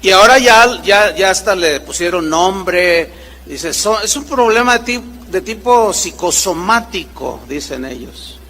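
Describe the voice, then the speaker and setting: Man, pastor preaching, high and bright, lively swings in pitch, long hall reverb. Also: a little slow, slight background noise. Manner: animated preaching with acted-out dialogue voices. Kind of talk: sermon.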